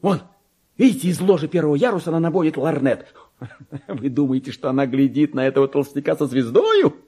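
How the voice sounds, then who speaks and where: An actor playing a deluded petty clerk who believes himself a king, in a theatrical radio monologue with a husky, grandiose and erratic delivery. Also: big pitch swings, brisk. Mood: feverish, raving. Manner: grandiose, erratic, swinging from hushed confiding to shrill outbursts.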